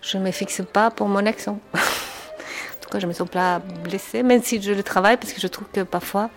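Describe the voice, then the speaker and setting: Woman, strong Chilean accent, native Spanish speaker, gravelly, mid-pitched, reflective, pauses to think. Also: steady tone, faint music behind. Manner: reflective, measured, with frequent hesitations. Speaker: psychoanalyst. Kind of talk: documentary interview.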